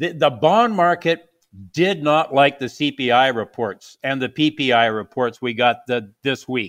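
This is a plain, everyday voice at a fairly slow pace. Pitch variation is ordinary. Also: man, medium pitch for a man. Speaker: market analyst. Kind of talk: interview.

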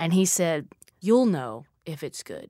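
A woman with an American accent speaks on a very clean recording with a silent background. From East Texas, small town. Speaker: orchestra conductor. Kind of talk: interview.

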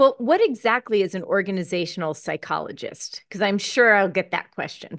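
An unremarkable speaking voice with an American accent, a moderate pace, hardly any pauses and ordinary pitch variation, over a quiet background. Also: woman, medium pitch for a woman. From northeastern Pennsylvania, US (near Scranton). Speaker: podcast host. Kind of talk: interview.

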